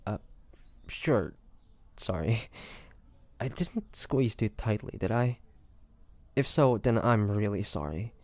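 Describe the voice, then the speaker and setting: Man acting a soft-hearted demon hunter, earnest, slow-paced, halting, creaky voice, audio roleplay drama. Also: fairly low pitch, no echo. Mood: sheepish, apologetic. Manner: hesitant, halting, soft-hearted delivery with pauses. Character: earnest young male demon hunter, guilt-ridden, gentle, hesitant.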